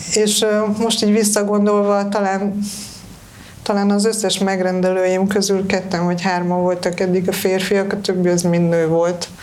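A woman speaks at a moderate pace with a medium pitch, flat monotone intonation and very even loudness. Audible room echo and noticeable background noise are present. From Hungary, Veresegyház. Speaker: tiler. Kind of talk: casual chat.

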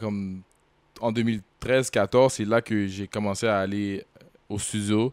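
A man with a fairly low pitch speaks at a very slow pace. The sound is dry and close, with no echo. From Montreal, Quebec (Little Burgundy, Haitian family). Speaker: rapper. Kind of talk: casual interview chat.

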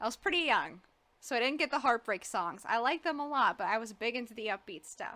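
On a very clean recording with a silent background, a bright, sharp voice races at a very fast pace with lively intonation. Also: woman. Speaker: podcast co-host. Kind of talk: casual chat.

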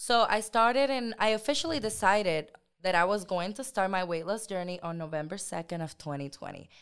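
On a very clean recording with a silent background, a woman with a Spanish accent talks at a fairly quick pace with lively intonation. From Puerto Rico. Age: young. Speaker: guest sharing personal weight-loss story. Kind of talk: personal testimony in interview.

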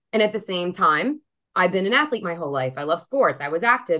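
A woman with an American accent speaks at a medium pitch against a quiet background. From New Jersey. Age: 30s. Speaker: dietitian. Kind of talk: casual chat.

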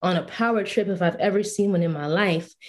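A woman talks at a fairly quick pace. Her medium-pitched voice is somewhat breathy. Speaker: UX UI design student and photographer. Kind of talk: casual chat.

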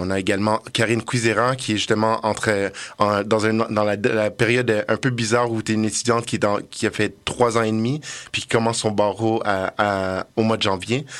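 Flat and monotone, a man's fairly low voice carries on. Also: moderate pace. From Montreal, Quebec. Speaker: law student, student association president. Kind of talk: interview.

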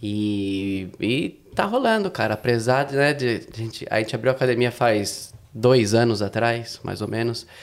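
This man has an ordinary speaking voice at a medium pitch. He talks at a fairly slow pace with ordinary pitch variation. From Brazil. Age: 40s. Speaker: personal trainer. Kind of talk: casual interview chat.

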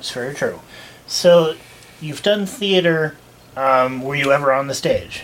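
Over noticeable background noise, a man with a fairly high pitch speaks at a fairly slow pace with ordinary pitch variation, big swings in loudness, and long, frequent pauses. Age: 50s. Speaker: podcast host and game master. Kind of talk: casual chat.

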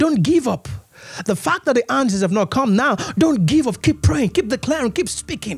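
His pitch jumps around very widely. The man keeps a moderate pace. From Nigeria, Rivers State. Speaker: pastor. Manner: emphatic and repetitive, stacking short punchy declarations.

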